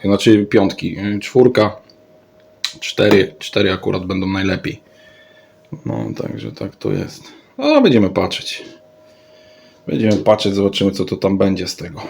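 A man's voice: lowish voice, creaky, darkish tone. A man giving a casual, off-the-cuff product showcase in a rambling way, often repeating his words and phrases. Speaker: radio hobbyist vlogger.

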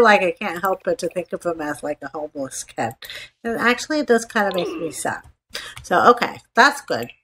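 A woman's voice: a little high, fairly bright tone. A woman with a slightly congested nasal voice giving casual, playful gameplay commentary, chatting to herself and repeating phrases. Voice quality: stuffed-up, congested nasal sound. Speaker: gaming video host. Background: voice-over for a screen-recorded game.

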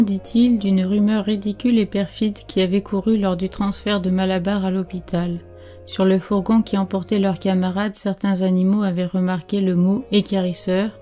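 A woman narrating an audiobook in a measured, even reading. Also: medium pitch. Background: faint music.

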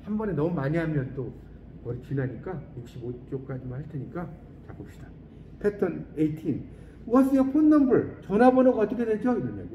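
A man teaching an English class, quizzing his students and reading English phrases slowly and deliberately. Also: fairly high pitch, reverberant, narrow, tinny audio, a little hiss or hum. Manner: lively, quizzing students with questions.

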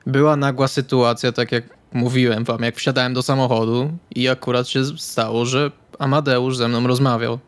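Male RPG player, flat mid-pitched voice, hesitant and questioning, casual table talk. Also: normal speed, hardly any pauses. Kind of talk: casual in-character game chat.

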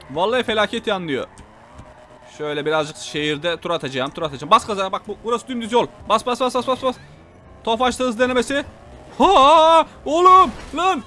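A young man giving excited gameplay commentary, shouting exclamations, repeating his lines and laughing often as he plays. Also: high-pitched. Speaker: gameplay streamer.

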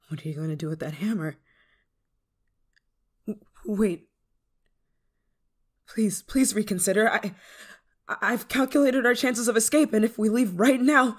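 A woman's voice: fairly high pitch, close to an everyday voice. Woman acting as a clingy, desperate android lover. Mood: frightened pleading. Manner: hesitant, halting, emotionally intense delivery. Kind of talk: ASMR roleplay drama monologue.

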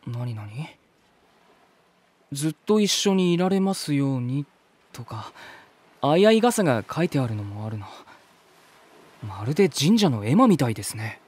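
An actor playing a polite, curious young man in a voice drama, speaking in a gentle, thoughtful way. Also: medium pitch, big pitch swings, moderate pace, long pauses, breathy edge. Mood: curious wonder. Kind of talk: Japanese voice drama acting.

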